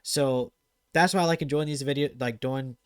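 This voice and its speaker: Male gaming host, fast and excitable, average pitch, dead-dry room sound. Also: clear, resonant tone, dry recording. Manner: excitable and fast-talking, with many fillers. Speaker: gaming channel host reviewing viewer clips. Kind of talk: casual commentary over gameplay clips.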